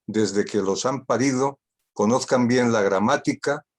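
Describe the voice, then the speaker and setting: A man's voice: mid-range voice, unhurried. An older man from Spain whose first language is Catalan gives a guest talk over a video call. He is ironic and witty, and he repeats key phrases for emphasis. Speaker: guest speaker. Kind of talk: online talk.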